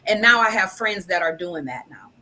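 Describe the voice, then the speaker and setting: A woman's voice: mid-range voice, lively intonation, moderate pace, bright, forceful tone. A woman speaking emphatically as a guest in a conversational interview, often repeating phrases for emphasis. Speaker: guest from a stage play production.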